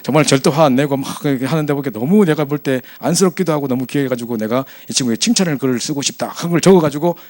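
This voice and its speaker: A man preaching to young adults as their pastor, telling a story in a chatty, animated way. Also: mid-range voice, racing, hardly any pauses.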